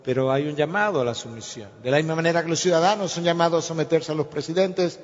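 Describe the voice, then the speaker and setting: A man's voice: on the high side, quick pace. A man preaching a sermon as pastor, telling stories and acting out their dialogue. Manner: storytelling preacher, acts out dialogue. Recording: long hall reverb, dull lo-fi sound.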